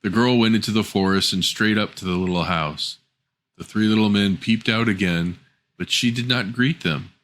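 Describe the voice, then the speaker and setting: A man's voice: fairly low pitch, normal speed, fairly bright tone. A man reading a scripted fairy tale as a storyteller.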